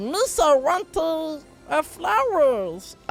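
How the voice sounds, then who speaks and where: A put-on character voice, high in pitch, with very wide swings in pitch. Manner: goofy.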